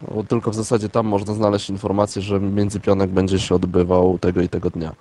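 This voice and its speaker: A man co-hosting a podcast, chatting casually and bantering, quick to correct his co-host. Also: low voice, level tone, warm tone. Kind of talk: casual chat.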